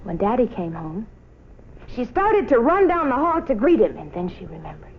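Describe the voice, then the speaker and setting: A woman reading a children's story as an expressive scripted narration. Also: a little high, normal speed, breathy edge. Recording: muffled noisy old film soundtrack.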